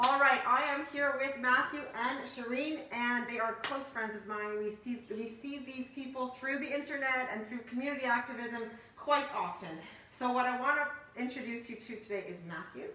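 The woman's pitch is high, with ordinary variation, and she keeps a moderate pace. Audible room echo surrounds her voice. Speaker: community interviewer. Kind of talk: interview introduction. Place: home room.

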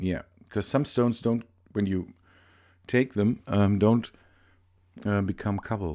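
A man with a German accent speaks at a fairly low pitch and a fairly slow pace, with ordinary pitch variation. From Germany. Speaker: gaming YouTuber. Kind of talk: let's play commentary. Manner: halting.

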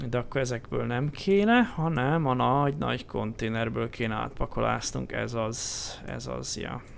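The speech comes at a fairly slow pace with hardly any pauses. Noticeable background noise runs underneath. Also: man. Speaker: gaming video creator. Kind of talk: let's play commentary.

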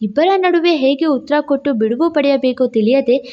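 This woman speaks with lively intonation at a high pitch. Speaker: storyteller narrating a serialized romance story. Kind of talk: story narration. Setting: unsuitable recording location.

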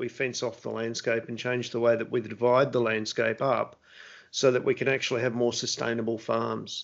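A man with an Australian accent speaks at a moderate pace against a quiet background. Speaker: farming channel host. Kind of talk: interview. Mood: calm, engaged. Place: home room. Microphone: headset.

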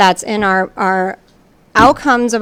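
This is a woman with a plain, everyday voice. She speaks at a medium pitch and a moderate pace. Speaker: school board candidate. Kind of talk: interview.

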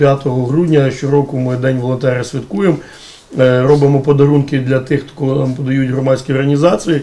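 Speaking in a dark, mellow tone, a man keeps a moderate pace and a monotone, flat intonation. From Ukraine. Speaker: city mayor. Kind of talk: interview soundbite. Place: meeting room. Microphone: podium.

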